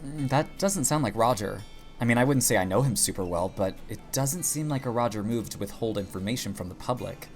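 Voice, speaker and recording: An actor playing a teasing, supportive small-town barista in an audio drama, expressive and playful. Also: medium pitch, a little fast, soft background music, close to an everyday voice. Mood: curious, wry. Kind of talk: naturalistic audio drama acting.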